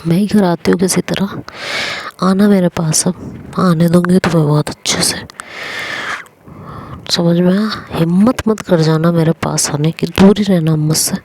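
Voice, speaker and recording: A woman's voice: fairly low pitch, steady tone, unhurried, pauses often, a little mellow, a little hiss or hum, rough recording. A woman voicing a cautious young woman in love who pleads and snaps, in an audio love story. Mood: threatening.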